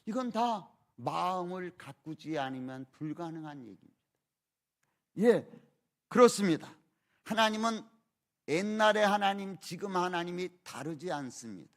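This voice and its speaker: Older man, high voice, emeritus pastor, emphatic sermon, rhetorical questions. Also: expressive, moderate pace, pauses often. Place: church sanctuary.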